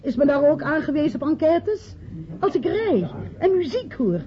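Insistent, high-voiced society hostess. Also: female voice, big pitch swings, moderate pace. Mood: indignant, pointed. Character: insistent society hostess managing her composer husband's legacy. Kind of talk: radio play acting. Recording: muffled radio play, chattering party crowd.

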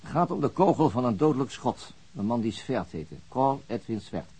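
A man's voice: medium pitch, big pitch swings, moderate pace, mellow, husky. A man playing a dogged, dry-humoured police detective in a radio drama, laconic and musing. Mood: dry, probing.

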